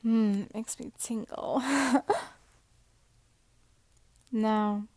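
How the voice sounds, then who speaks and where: A woman performing an intimate audio roleplay close to the mic, teasing and soft-spoken, often dropping into a whisper. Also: medium pitch, steady tone, drawn-out words, no room sound.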